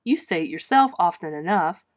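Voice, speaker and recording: A woman's voice: on the low side, expressive, moderate pace, natural voice. This is an elderly spinster guardian voiced by a woman from a storybook. She is stern and dry. She scolds firmly, in clipped phrases that allow no argument. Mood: stern scolding.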